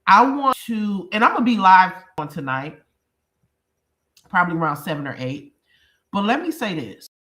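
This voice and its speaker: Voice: mid-range voice, sing-song, normal speed, sharp tone. A congested, sniffling reaction channel host giving emphatic commentary on a case, repeating points and explaining to viewers. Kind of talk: commentary on a true crime case.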